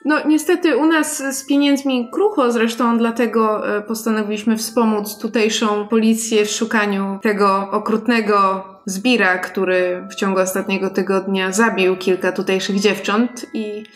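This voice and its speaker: A woman's voice: mid-range voice, fairly even intonation, normal speed, few pauses. A woman playing a tabletop role-playing game, improvising casual dialogue in character. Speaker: tabletop RPG player.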